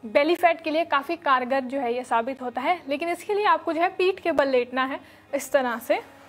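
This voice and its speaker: High-voiced young woman teaching yoga. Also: moderate pace, faint music behind. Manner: calm step-by-step instructions with frequent fillers. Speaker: yoga instructor. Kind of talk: instructional yoga demonstration. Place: studio with red floor and dark curtains.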